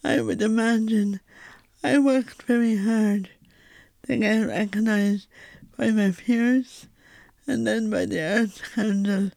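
Slow, mellow Irish woman. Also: a little high, fairly even intonation, creaky, dry recording. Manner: thoughtful, halting, repeats words. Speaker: guest playwright. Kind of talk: reflective conversation.

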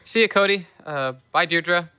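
A man's voice: on the high side, moderate pace, bright, forceful tone, slight background noise. An actor playing a shy young man who speaks in an awkward, mumbling way. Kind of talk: audio drama acting.

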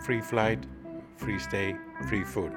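Man, Dutch accent, gravelly, lowish voice, chatty interview, music underneath. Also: steady tone, slow. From Netherlands. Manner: chatty, laughs easily, uses fillers. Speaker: city visitor services director. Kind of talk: casual interview.

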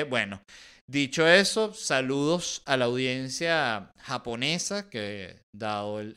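A man's voice: mid-range voice, fairly bright tone, smooth. A man with a Venezuelan accent hosting a podcast, talking in a casual, sarcastic comedic monologue and swearing freely. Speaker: podcast host.

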